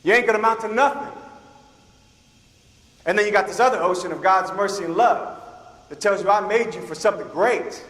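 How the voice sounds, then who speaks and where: A man from Guam giving a keynote talk to high school students, telling stories in an animated way and acting out the dialogue. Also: brisk, long pauses. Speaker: keynote speaker. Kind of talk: motivational storytelling talk to students. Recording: echoey hall with long reverb.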